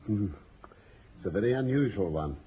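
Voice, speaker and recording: A man acting as a self-assured British detective in an old radio mystery. His mellow voice moves freely up and down as he lays out his reasoning with theatrical precision. The old broadcast recording carries some noise. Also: fairly low pitch, expressive, normal speed, natural voice. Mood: assured, explanatory. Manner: theatrical, articulate, lecturing.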